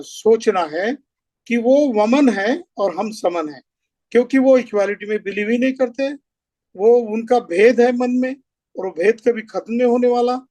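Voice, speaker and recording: High-pitched man, earnest lecturing speaker, dry close sound. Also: darkish tone, no room sound. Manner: earnest, lecturing, builds points through lists. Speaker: speaker at a community meeting. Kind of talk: impassioned speech.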